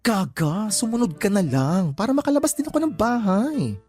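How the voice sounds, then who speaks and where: A man's voice: high-pitched, sing-song, normal speed, a little mellow. A man playing a flamboyant young gay Filipino in a radio drama, sassy and dramatic, with slangy exclamations. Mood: sassy exasperation. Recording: music playing under the voice.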